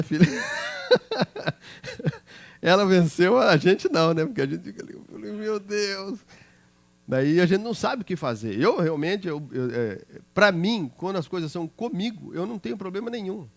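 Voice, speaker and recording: A middle-aged man, a pastor preaching a sermon through chatty personal stories and often checking in with his listeners. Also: a little high.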